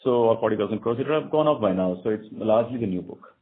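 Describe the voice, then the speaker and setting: An Indian-accented man answering analysts as a bank executive on an earnings call, explaining haltingly and often repeating words. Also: fairly low pitch, expressive. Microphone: conference call phone line. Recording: narrow tinny phone line.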